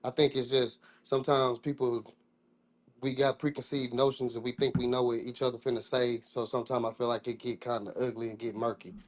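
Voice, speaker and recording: A man's voice: mid-range voice, flat delivery, a little fast, a little hiss or hum. Rambling Southern American man. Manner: rambling, restarts often, informal speech. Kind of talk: casual discussion.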